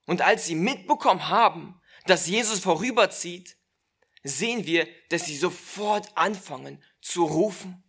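A preacher giving a sermon, slow and emphatic, repeating key phrases and speaking directly to the listeners. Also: mid-range voice, animated, fairly bright tone, breathy edge.

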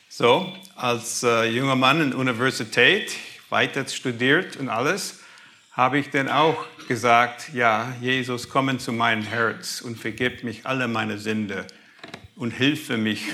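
Halting American man speaking slowly. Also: mid-range voice, sharp tone. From grew up in the USA. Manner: halting, searching for words, slipping into English. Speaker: guest speaker. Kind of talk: personal faith testimony.

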